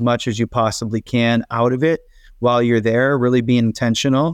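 A man talks at a moderate pace in an ordinary speaking voice, his intonation fairly even. The recording is very clean with a silent background and a dry, close sound with no echo. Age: 40s. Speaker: fitness program member. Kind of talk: casual chat.

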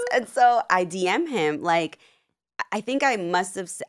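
Speaking at a fairly slow pace, a woman with an unremarkable speaking voice uses lively intonation. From US, New Jersey; Peruvian family. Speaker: life coach and speaker. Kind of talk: casual chat. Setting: studio.

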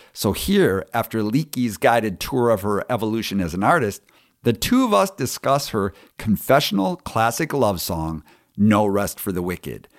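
Captured in a very clean recording against a silent background, a man at a medium pitch speaks at a moderate pace with very wide pitch swings. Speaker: podcast host. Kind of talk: interview.

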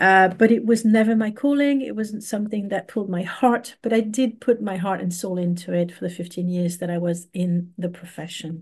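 The voice is somewhat breathy, in a French accent, at a moderate pace. Behind it, the background stays quiet. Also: woman, medium pitch for a woman, ordinary pitch variation, hardly any pauses. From Paris, France. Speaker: podcast host, spiritual coach. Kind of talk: solo podcast monologue, storytelling. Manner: conversational, hesitant with fillers.

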